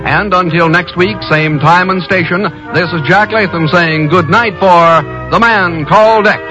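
A man's voice: high voice, measured pace. A man with an American accent doing formal, polished, scripted announcing in the style of 1950s radio. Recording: muffled vintage radio broadcast with music.

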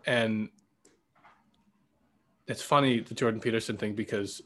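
A man's voice: fairly low pitch, steady tone, measured pace, a bit bright, slight background noise. Playful mild-Canadian man, podcast banter. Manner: playful, rambling, teasing. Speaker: podcast co-host. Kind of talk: casual banter.

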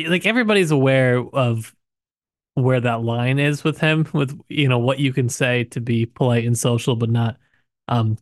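Male co-host, medium pitch, informal and slightly hesitant conversational delivery, dry room sound. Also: no echo. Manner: informal, hesitant, hedging with asides. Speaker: podcast co-host. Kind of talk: casual book discussion.

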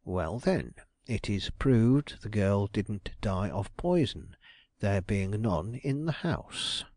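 A man voicing a shrewd, suave older detective who asks his questions slowly and deliberately. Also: lowish voice, sing-song, vocal fry, no room sound, clean studio sound, heavily acted.

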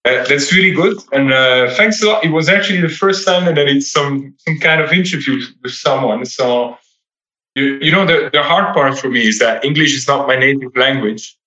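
A man's voice: medium pitch, moderate pace, pushed and bright, echoey room, lo-fi sound. A man in his thirties whose first languages are French and Dutch, giving reflective interview answers and often repeating words while he searches for them. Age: 30s. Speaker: podcast guest.

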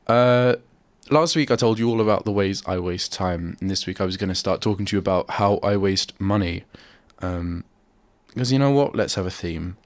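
A male radio host with a stuffy head cold chats solo at a studio microphone, rambling and poking fun at himself. His deep voice sounds bunged-up and nasal, and he talks at a normal speed.

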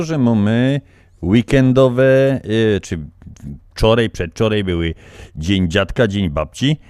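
A man's voice: on the low side, a little mellow, dry recording. Folksy Silesian man hosting, close and dry. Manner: informal, folksy, uses dialect words. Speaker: radio host reading listener greetings. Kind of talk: casual greetings show chat.

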